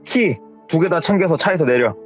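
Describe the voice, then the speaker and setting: A furious male company boss, put on by a male storyteller, snaps commands in clipped bursts and leaps up into yells. The audio is a little dull and lo-fi. Faint music plays underneath. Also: on the high side, animated, moderate pace, pitched above the performer's own voice, natural voice. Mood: barking orders. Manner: yelling, curt commands.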